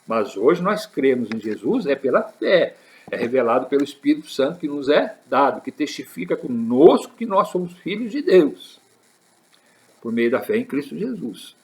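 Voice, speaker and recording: A man's voice: medium pitch, sing-song, normal speed. A man preaching a sermon, repeating his points with emphasis and addressing the listeners as brothers.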